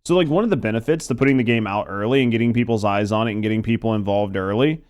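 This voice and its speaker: Clear-voiced man giving casual reaction commentary. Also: fairly low pitch, quick pace, darkish tone. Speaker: reaction video host.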